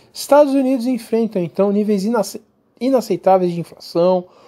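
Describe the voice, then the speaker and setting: At a fairly slow pace, a dark, mellow voice moves with lively intonation over a very clean recording with a silent background. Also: man. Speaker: finance YouTuber. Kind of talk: commentary video reacting to news. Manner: animated.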